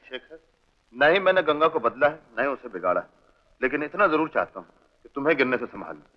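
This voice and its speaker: An actor playing a loyal, wisecracking family friend in a 1960s Hindi film, joking at times and earnestly pleading at others. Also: male voice, medium pitch, animated, fast, natural voice. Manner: joking one moment, pleading the next. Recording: dull old film soundtrack with music.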